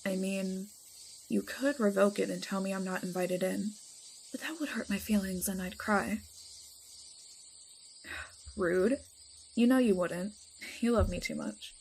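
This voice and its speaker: A woman's voice: medium pitch, a little slow, vocal fry, pauses often, a little mellow. Playful vampire woman, acted out, over night noise. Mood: playful, mock hurt. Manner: casual, teasing, dramatic exaggeration. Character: playful, chatty, affectionate female vampire friend. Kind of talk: roleplay ASMR audio drama.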